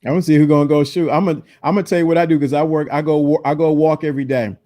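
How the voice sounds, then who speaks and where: A man in his forties with a mellow, slightly high voice gives casual advice. He talks quickly and leans on repetition to drive his points home. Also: fairly even intonation. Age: 40s.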